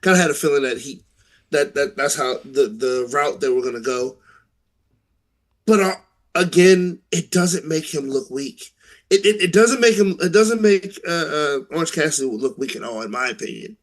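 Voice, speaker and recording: A man with a somewhat high voice co-hosts a casual wrestling podcast. He talks in a halting way, restarting his sentences and laughing along with his partner. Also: lively intonation. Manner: halting, repeats words and laughs often. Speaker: podcast co-host.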